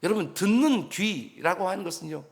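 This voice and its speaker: Male pastor with a high voice, emphatic sermon delivery in a reverberant church. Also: expressive, moderate pace. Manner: earnest, emphatic preaching.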